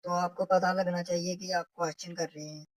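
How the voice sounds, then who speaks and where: A woman's voice: fairly low pitch, level tone, a little fast, dry recording, low-quality recording. A woman, teaching a recorded language lesson from a textbook. She explains step by step and repeats the example phrases.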